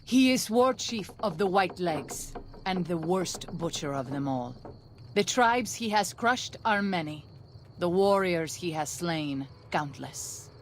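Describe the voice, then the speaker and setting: Solemn tribal midwife. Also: female voice, on the low side, lively intonation, slight background noise. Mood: grave. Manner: formal, measured, slightly archaic phrasing. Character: solemn tribal midwife and scout in a post-apocalyptic valley. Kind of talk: video game dialogue.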